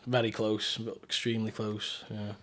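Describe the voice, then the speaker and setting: Easygoing North Welsh man, flat delivery. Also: fairly low pitch, moderate pace. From North Wales. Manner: chatty, rambling, easygoing. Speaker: podcast guest, singer-songwriter. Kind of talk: casual chat.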